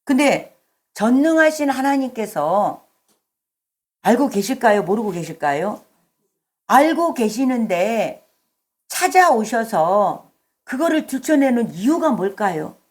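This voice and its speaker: A woman pastor delivers a sermon in a church service. She talks in a conversational way and keeps quizzing the congregation with questions. Her voice sits a little higher than most women's. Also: sing-song, slow, long pauses.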